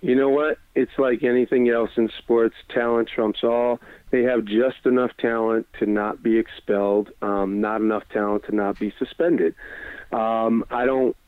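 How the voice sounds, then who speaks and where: A man calling in to a sports talk show by phone, chatting casually in a relaxed, mellow manner. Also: medium pitch, a little slow, clear, resonant tone, dry recording. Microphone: phone call. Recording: tinny, narrow-band phone line.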